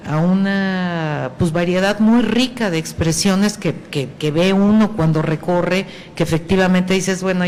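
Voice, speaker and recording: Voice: mid-range voice, darkish tone. A panel moderator, talking loosely and at length, with many fillers and restarts, at a university museum event. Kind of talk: panel discussion talk.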